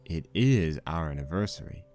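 A man's voice: rumbling low, animated, moderate pace, darkish tone, soft background music. A man playing a young married stallion pony husband, rambling wryly and sheepishly through a fan fiction monologue. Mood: sheepish, fond. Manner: conversational, rambling, wry.

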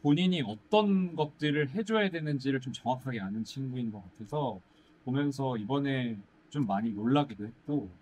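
A young man, a musical actor, chatting in a casual Q&A, pausing thoughtfully to search for words. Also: medium pitch, darkish tone, a little hiss or hum. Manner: thoughtful, drawn-out pauses while searching for words. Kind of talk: casual Q&A chat. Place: indoor stage set, seated.

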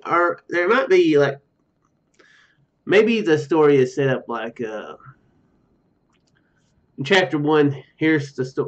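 A young man gives casual let's play commentary, reading on-screen text aloud and drifting into joking asides. His mid-pitched voice moves up and down freely. The recording is a little dull, with music playing behind him. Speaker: video game streamer. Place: small room at home, indoors. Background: game music.

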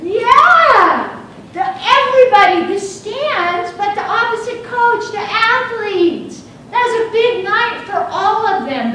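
A woman's voice: high voice, a bit bright, a little hiss or hum. A woman leading a teacher training workshop, asking her audience questions as she talks. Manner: engaging, asks the audience questions. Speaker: workshop facilitator. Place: large training room with seated audience. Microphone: room recording from the back. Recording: very echoey room from far off.

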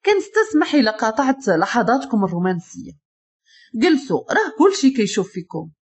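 A woman's voice: on the high side, very animated, quick pace, highs cut off, pitched above the performer's own voice. A woman doing a teasing Moroccan young man. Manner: teasing, sarcastic. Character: joking sarcastic young neighborhood man.

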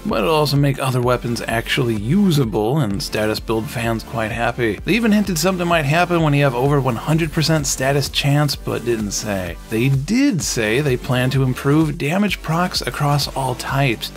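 A man hosting gaming news in a casual, scripted recap style with a jokey, colloquial way of talking. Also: medium pitch. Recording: music behind the voice. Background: music.

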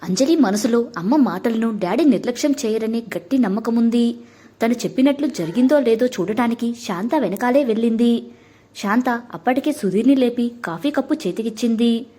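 A woman narrating a family drama in a steady, measured storybook reading. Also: on the high side.

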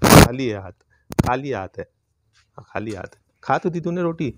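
A middle-aged man from Uttarakhand films a casual village vlog on his phone. His voice sits at an average pitch as he narrates everyday chores and playfully teases those around him. It sounds like handheld phone audio, mostly out in the open. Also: animated, moderate pace, background noise. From Uttarakhand, India. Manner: teasing, playful chatter with family, animals and children. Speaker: village family vlogger. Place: village home, mostly outdoors in yard and fields. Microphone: phone at arm's length.

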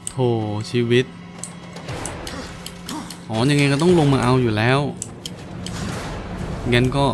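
A man's voice: medium pitch, slow. Playful man commentating over game music. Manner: playful, exclamatory, voices his own sound effects. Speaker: gaming video host. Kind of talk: casual let's-play commentary.

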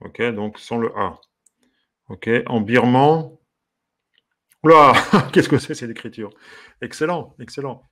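A man, a harmonica teacher, giving casual commentary as he browses, curious and amused, musing aloud with soft exclamations. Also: mid-range voice, takes it slowly, pauses often.

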